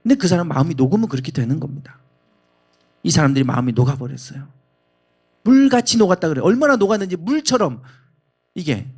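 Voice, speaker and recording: A male pastor delivers an emphatic sermon in a church, his voice pitched high and swinging widely up and down. A gravelly rasp runs through it. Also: sing-song, quick pace, pauses often, a little mellow. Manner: emphatic preaching, leads congregation in reading. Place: church sanctuary.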